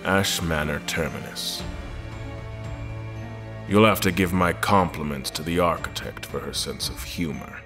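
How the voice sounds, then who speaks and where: A man playing a weary, calculating admiral in an audio drama, speaking gravely and deliberately with dry sardonic wit. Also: deep voice, fairly even intonation, over music. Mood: dry, sincere.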